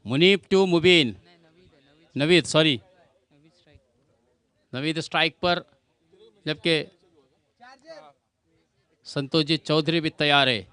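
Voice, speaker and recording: A man commentates on cricket in a high, forceful voice. He explains the play to viewers as to friends, with crisp, clear delivery and a dry, close sound. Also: slow, long pauses, no room sound.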